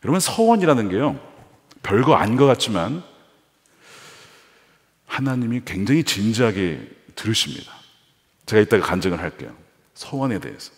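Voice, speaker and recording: Animated male pastor in an echoing church. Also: mid-range voice. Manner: animated, acts out quoted voices. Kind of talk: sermon. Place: large church sanctuary. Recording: reverberant church hall.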